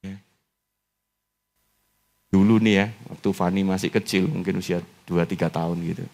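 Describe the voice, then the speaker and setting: A middle-aged man from Indonesia preaching a sermon as pastor, telling his own story in a conversational way, dropping to low murmurs and then rising to high, shouted climaxes. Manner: personal testimony told in a conversational tone.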